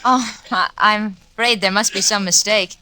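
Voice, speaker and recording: A flustered young woman hunting for her fiancé, played by an actress in an old radio thriller. She stammers and apologizes in a bright, clear voice. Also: medium pitch, fairly even intonation, moderate pace, slight background noise, natural voice. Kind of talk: 1940s radio acting.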